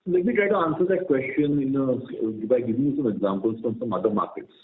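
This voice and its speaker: Exec guy explaining stuff on a conference call, halting, echoey tinny phone sound. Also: medium pitch. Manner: explanatory, halting, repeats words. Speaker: company executive answering analysts. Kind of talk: earnings call answers.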